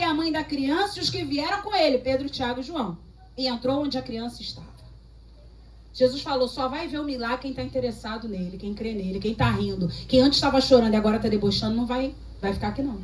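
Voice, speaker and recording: In an echoey church hall, picked up by a distant mic with a little hiss or hum, a Brazilian woman pastor exhorts her congregation through stories and acted-out dialogue. Her voice sits high.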